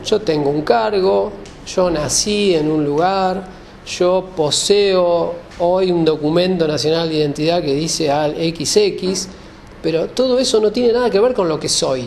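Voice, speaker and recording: A man's voice: high-pitched, gravelly, a little mellow, slight background noise. A man giving an explanatory lecture, speaking didactically, often rephrasing and checking that listeners follow.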